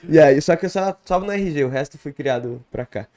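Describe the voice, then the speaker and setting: Casting: man in his thirties, fairly high voice, loose slangy rambling podcast talk, close boom mic in a small studio. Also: expressive, fairly quick, warm tone. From Santa Catarina, Brazil. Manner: slangy, rambling, many fillers and restarts; gestures a lot with his hands. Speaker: podcast guest, comedian and producer. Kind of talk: casual podcast conversation.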